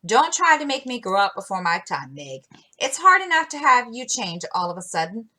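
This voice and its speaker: A woman's voice: fairly high pitch, very animated, moderate pace, sharp tone, heavily acted. A woman reading aloud and voicing a blunt, spirited teenage girl in a storybook. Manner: blunt and fierce.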